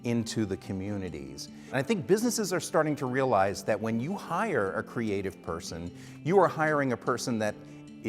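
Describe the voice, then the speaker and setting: A man hosting a conversational on-location interview, speaking in an informal, enthusiastic way. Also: fairly low pitch. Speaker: host interviewer.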